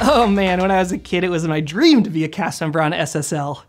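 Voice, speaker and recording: A man's voice: high voice, expressive, fast, faint music behind. An American man in his thirties presenting a scripted comedic explainer in a goofy, playful manner. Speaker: host. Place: indoor green-screen studio.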